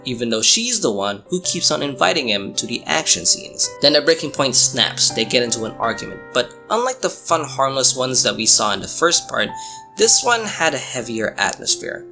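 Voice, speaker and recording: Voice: medium pitch, sharp tone. A young adult giving a crude, slangy, mock-dramatic comedic recap as a scripted video narrator. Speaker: YouTube manga reviewer. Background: music.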